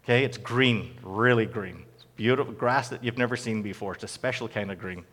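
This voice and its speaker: A middle-aged man with a Northern Irish accent giving a personal testimony to a church audience, conversational and halting, with many ums and restarts. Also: fairly low pitch, a bit bright, long reverb tail. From Northern Ireland.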